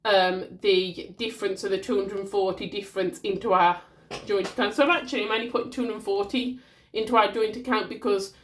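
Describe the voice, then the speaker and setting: A woman's voice: medium pitch, fairly even intonation, fairly quick. Chatty Black Country woman with a cold. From West Midlands, England. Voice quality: slightly nasal. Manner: chatty and rambling, with many ums and restarts. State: congested from a cold. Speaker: budgeting vlogger. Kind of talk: casual chat to camera while handling a planner. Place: at home, at a desk.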